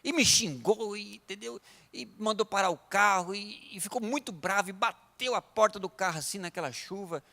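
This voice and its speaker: A Brazilian man preaching a sermon with a Brazilian Portuguese accent, telling stories and swinging from loud emphatic peaks to quiet asides. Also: sits high, normal speed, vocal fry. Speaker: pastor. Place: large church sanctuary. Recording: reverberant church hall.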